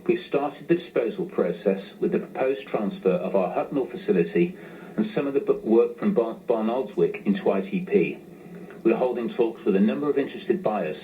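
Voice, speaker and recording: A man giving a scripted corporate financial presentation in a formal, measured way, as a company finance executive. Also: on the low side, animated. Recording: tinny phone-line sound with clear noise.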